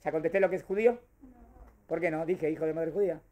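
Man, high voice; teacher quizzing his students, lively and rhetorical. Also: fast. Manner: questioning and animated, answers his own questions. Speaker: rabbi teaching a class. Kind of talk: Torah class to a group.

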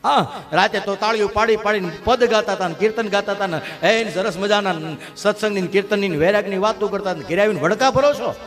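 A man voicing a sharp-tongued, middle-aged village uncle, scolding in taunting questions. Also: fairly high pitch, brisk, close to an everyday voice.

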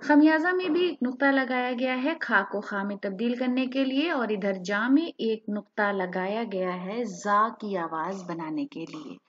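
A woman teaching a language lesson, spelling out words letter by letter in a slow, careful way. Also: mid-range voice, expressive, lo-fi sound.

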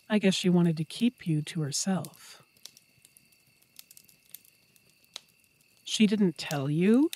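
A woman's voice: on the low side, warm tone, voice pushed down. A woman voicing a confident, flirtatious female werewolf with a teasing manner in an intimate roleplay audio drama. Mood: irked, confiding. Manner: teasing, bold, unhurried.

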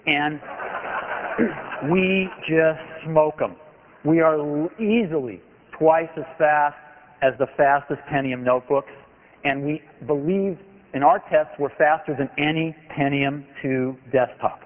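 A man's voice: fairly high pitch, takes it slowly. A man in his forties giving an emphatic product keynote on a big conference stage. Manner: enthusiastic, emphatic salesmanship. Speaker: company executive giving a keynote. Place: large conference hall stage. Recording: tinny lo-fi archive recording of a hall.

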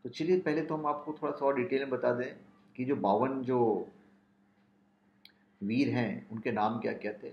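A man's voice: medium pitch, steady tone. A man hosting a spiritual channel, explaining a ritual step by step and reciting mantras and long lists of names in a chanting cadence. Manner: measured, listing names one by one in a chanting cadence. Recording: roomy, dull lo-fi sound.

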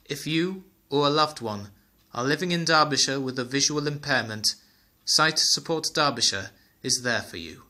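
A young man reading scripted promotional narration as a commercial voice-over, with a dramatic, deliberate delivery. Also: mid-range voice, bright, forceful tone, no room sound.

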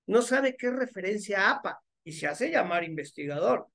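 A man's voice: sits high, animated, moderate pace, gravelly, a bit bright. A man giving mocking, sarcastic commentary as he reads out viewer comments. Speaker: religion critic commentator.

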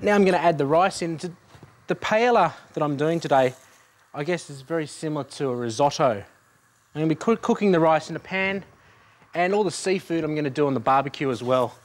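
A man's voice: fairly high pitch, animated, brisk. A young man, a chef in a studio kitchen, explaining a dish step by step as he cooks. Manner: explains step by step while cooking. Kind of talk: cooking demonstration. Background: frying and sizzling in a pan.

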